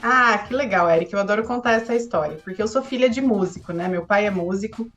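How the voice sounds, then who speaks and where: A woman's voice: medium pitch, fast talker, fairly bright tone, highs cut off, soft background music. Earnest woman educational consultant, podcast chat. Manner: earnest, frequent filler tags. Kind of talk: casual podcast conversation.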